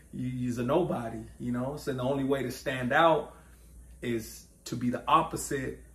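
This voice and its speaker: A man speaks at a moderate pace with fairly even intonation, and audible room echo surrounds his voice. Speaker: interview guest. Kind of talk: interview answer. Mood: reflective, earnest. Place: home room. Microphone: lapel.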